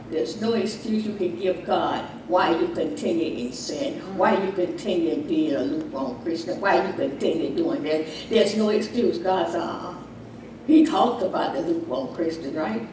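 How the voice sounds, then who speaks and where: A woman's voice: on the low side, normal speed, background noise. A woman preaching a fiery sermon like a doomsday preacher, warning of judgment with emphatic repetition and rhetorical questions. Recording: very echoey room, distant microphone.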